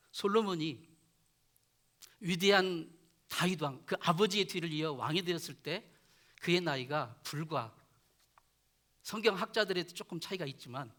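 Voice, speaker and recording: A male pastor preaching a sermon in earnest, often letting his voice fall soft at the ends of phrases. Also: high voice. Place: church chapel.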